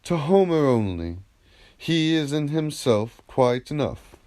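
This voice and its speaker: A man's voice: fairly high pitch, sing-song, slow pace, darkish tone, pitched above the performer's own voice. A man voicing a proud, eager Greek performer who boasts and answers emphatically in an audiobook dialogue. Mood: boastful. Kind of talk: audiobook reading of philosophical dialogue.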